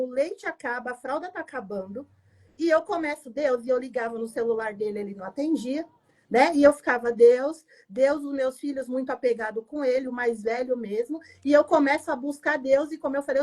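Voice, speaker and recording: Woman pastor telling her testimony, high voice, emotional and emphatic. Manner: emotional, emphatic storytelling with frequent "né?". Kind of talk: personal testimony.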